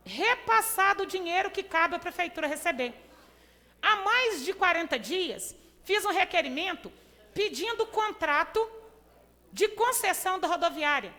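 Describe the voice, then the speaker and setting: A woman with a Minas Gerais accent gives an indignant council speech in a very high, bright voice. She presses her case with pointed rhetorical questions. Long reverb from the chamber trails each phrase. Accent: Brazilian Portuguese, Minas Gerais. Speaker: city councilwoman.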